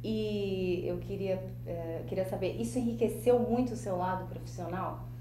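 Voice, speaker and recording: A woman's voice: medium pitch, fairly even intonation, moderate pace, reverberant, noisy background. A woman from Brazil asking interview questions, hesitant and searching for words. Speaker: co-host interviewer. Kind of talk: studio interview. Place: small TV studio.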